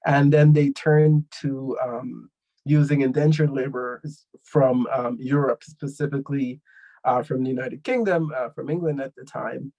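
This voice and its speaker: A man's voice: mid-range voice, steady tone, unhurried, mellow, muffled recording. A young man from Guyana, speaking as a panelist in an online discussion and explaining his ideas thoughtfully with frequent fillers.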